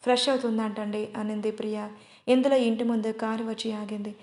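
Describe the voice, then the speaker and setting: High, even-voiced woman storyteller. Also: brisk. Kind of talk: audio story narration. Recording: roomy echo.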